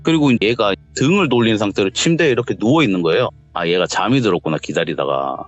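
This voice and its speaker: A low-voiced man tells a true ghost story over a voice call, his pitch rising and falling a lot as he acts out each moment. The sound is dull and lo-fi, with faint music playing underneath. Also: fast talker. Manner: animated storytelling, acting out quotes. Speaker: caller telling a viewer's story.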